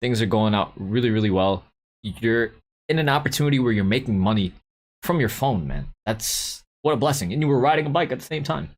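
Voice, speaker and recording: A young man hosting a casual livestream about day trading, laid-back and quick to laugh, reading out chat messages. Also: mid-range voice, lively intonation.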